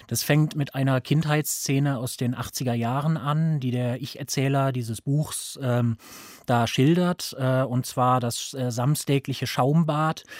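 A man's voice: medium pitch, a little mellow, dry recording. Hesitant, analytical man in dry studio sound. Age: middle-aged. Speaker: studio guest discussing film and television. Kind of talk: reflective radio discussion.

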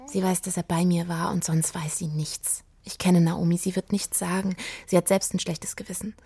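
A woman's voice: on the low side, level tone, moderate pace, warm tone, slightly rough. An actress playing a wry young woman who delivers bad news, dry and teasing, often dropping into whispered asides. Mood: hushed. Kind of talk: radio drama acting.

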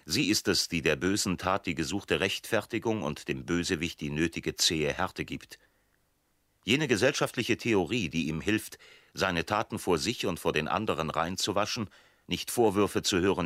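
An actor reciting as a grave writer, declaiming solemn warnings in a deliberate, emphatic radio-feature manner. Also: male voice, deep voice, a bit bright, no echo, clean studio sound.

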